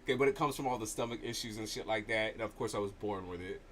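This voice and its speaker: Speaking fast this time, the lisping tarot livestream host keeps up profane, laughing casual banter. His voice is lowish and fairly bright, with slight background noise.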